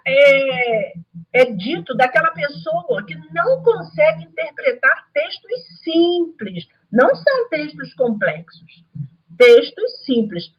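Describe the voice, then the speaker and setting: A woman's voice: sits high, slightly rough. A Brazilian woman giving an online study lesson to a spiritist group, talking in an earnest, emphatic way and repeating key phrases. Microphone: video call or webcam. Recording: dull lo-fi home recording.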